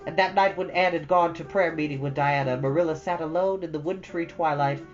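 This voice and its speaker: A woman's voice: sits low, fairly quick. A woman hosting a storytime, narrating a book in an audiobook style. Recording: dull audio over soft guitar music. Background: soft guitar music.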